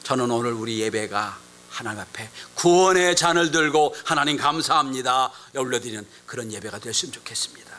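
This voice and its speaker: A man preaching a sermon as a pastor, telling a story with sudden loud, emphatic rises and hushed drops. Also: mid-range voice, lively intonation, a little fast, hardly any pauses, poor audio.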